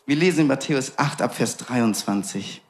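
A man's voice: mid-range voice, expressive, normal speed. A young man preaching a sermon with fervent, repeated rhetorical questions and casual asides. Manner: casual interjections of "hey".

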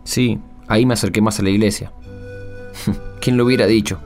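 A man's voice: on the low side, steady tone, moderate pace, darkish tone, natural voice. A man playing a candid, middle-aged Argentine war veteran turned devout Catholic in a radio drama, speaking in an emphatic, colloquial way. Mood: bitter, reflective. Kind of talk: radio drama interview acting. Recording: music bed behind the voice.

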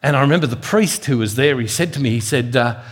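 A man's voice: medium pitch, quick pace. A middle-aged man giving an earnest devotional sermon as a Catholic preacher. He tells a personal story and often repeats words as he builds a point.

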